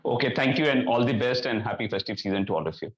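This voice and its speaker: A man's voice: medium pitch, expressive, fast, dull audio, crowd noise. A man asking questions as an analyst on an earnings call, polite, hesitant and roundabout, over a conference line. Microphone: phone or conference call line.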